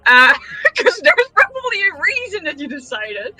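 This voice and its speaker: Lively, high-voiced woman full of questions. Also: unhurried, music in the background. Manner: animated, asks lots of questions. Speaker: tabletop game player. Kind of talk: casual out-of-game chat on a stream.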